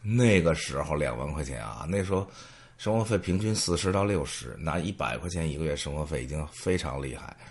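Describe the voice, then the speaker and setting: A man's voice: a bass voice, lively intonation, a little fast. A middle-aged man, hosting and telling humorous anecdotes in a storytelling monologue.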